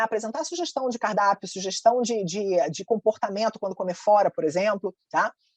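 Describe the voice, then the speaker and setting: The sound is dry and close, with no echo. A woman speaks at a fairly high pitch. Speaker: nutritionist teaching a course. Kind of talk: online lecture. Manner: fast.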